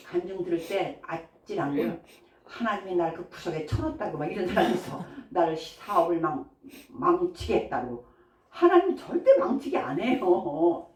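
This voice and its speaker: A woman's voice: on the low side, a little mellow. A woman pastor giving a sermon in a chatty way, often asking the congregation questions. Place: church sanctuary. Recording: echoey church hall from far off.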